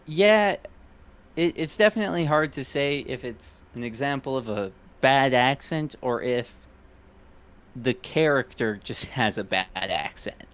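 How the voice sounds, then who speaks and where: Male podcast co-host, mid-pitched, inquisitive, a bit halting. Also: lively intonation, a bit bright, smooth. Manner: inquisitive, hesitant, asks questions. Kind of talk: casual podcast chat.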